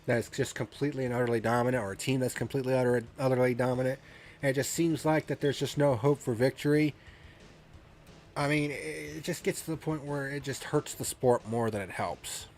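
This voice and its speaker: A man's voice: mid-range voice, steady tone, a little fast, darkish tone, faint music behind. A man hosting a racing review show, talking casually with a blunt, profane, ranting manner, and sounding congested from a cold.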